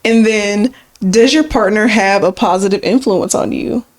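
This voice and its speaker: A woman co-hosting a podcast, talking through the topic in a relaxed, chatty way. Her voice sits in the middle range and she leans on words for emphasis now and then. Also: medium pitch, normal speed. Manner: conversational, rambling, lively emphasis. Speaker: podcast co-host. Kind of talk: casual podcast chat.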